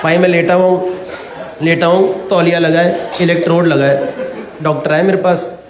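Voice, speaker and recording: A man performing stand-up comedy, telling an animated story and chatting with the audience. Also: fairly high pitch, moderate pace. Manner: animated, acts out both sides of dialogues. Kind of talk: stand-up storytelling and crowd work. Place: comedy venue before a live audience. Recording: echoey venue with loud crowd laughter.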